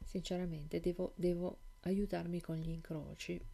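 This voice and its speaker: A soft-spoken woman talks at a fairly slow pace. Her tone is relaxed. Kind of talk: soft-spoken ASMR crossword solving, casual talk to camera. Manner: soft-spoken, relaxed.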